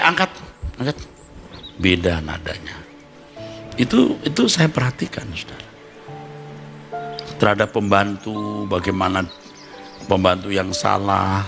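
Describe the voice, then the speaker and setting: A middle-aged male pastor with a low, gravelly voice preaches a sermon in a chatty, conversational way. He acts out little exchanges between people and now and then jumps up into loud, high emphasis. Music plays clearly beneath him. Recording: music playing underneath.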